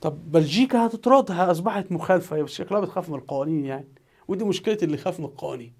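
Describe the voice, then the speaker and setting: A man's voice: high-pitched, very fast, gravelly. A man with an Egyptian accent, a teacher telling a news story as commentary and acting out the quoted voices. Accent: Egyptian Arabic. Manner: animated, acts out quoted voices.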